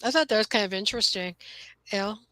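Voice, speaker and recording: A woman guest chatting casually about films, giggling and dropping "you know" into her sentences. Her voice is bright, and the sound is dry and close. Her pitch sits in the middle for a woman. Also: fast, no echo, poor audio. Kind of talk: casual live chat.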